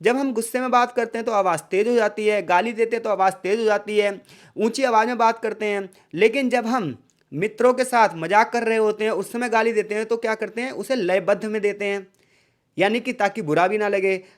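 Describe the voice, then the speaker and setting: A man's voice: sits high, fairly quick. A male tutor giving an exam-prep lecture, asking rhetorical questions, calling his listeners brother and mixing English words into his talk. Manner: mixes English words into Hindi.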